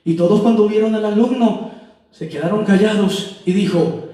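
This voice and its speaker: High-voiced preacher in an echoey hall. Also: male voice. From Colombia. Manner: dramatic storyteller, swings between loud outbursts and hushed slow lines. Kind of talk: storytelling sermon. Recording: very echoey hall, mic far off.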